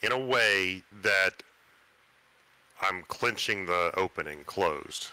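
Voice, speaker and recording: A man's voice: low voice, expressive, slow pace, bright, forceful tone, clear, resonant tone, rough recording. A man chatting casually as a tabletop game player, describing what his character does.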